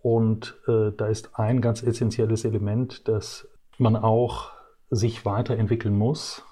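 Male business guest, fifties, low register, dark soft tone, hesitant off-the-cuff answers. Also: level tone. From Brussels region, Belgium. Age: 50s. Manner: hesitant, halting, feels for words. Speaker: interview guest, chief executive. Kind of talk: unscripted interview answers.

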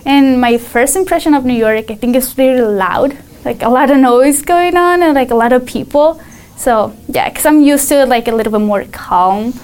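A woman's voice: sits high, moderate pace, darkish tone, smooth. A teenage girl from Mexico, a student debater, talking casually and hesitantly with many "like" fillers; Spanish is her first language. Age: teens. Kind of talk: casual interview answers.

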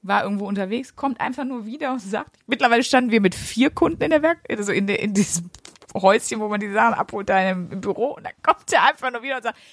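A woman co-hosting a podcast in casual chat, telling stories with blunt, crude humor. Her voice sits at an ordinary middle pitch. The sound is dry and close, with no room echo. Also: quick pace. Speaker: podcast co-host.

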